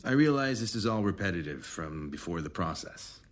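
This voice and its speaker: A male bureaucrat in a sci-fi radio play. His low voice moves expressively as he chats affably, with a patronizing, needling edge. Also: big pitch swings, normal speed. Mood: officious friendliness. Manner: chatty, patronizing, probing. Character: affable but needling male government exit interviewer. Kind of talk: audio drama acting.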